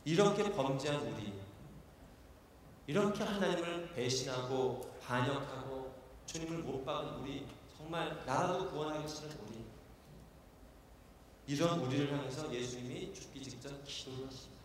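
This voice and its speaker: A man preaching a sermon as pastor, earnest, shifting from hushed pleading prayers to loud exhortation. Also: medium pitch, normal speed, a little hiss or hum. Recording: echoey church hall, voice from far off.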